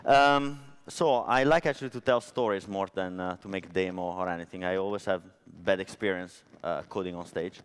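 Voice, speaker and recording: A man's voice: deep voice, steady tone, moderate pace, hardly any pauses, clear, resonant tone. A man in his thirties from Italy with an Italian accent, giving a chatty technical conference talk on stage with lots of fillers, on a headset mic. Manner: chatty, storytelling, frequent fillers. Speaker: conference speaker. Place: large conference hall stage.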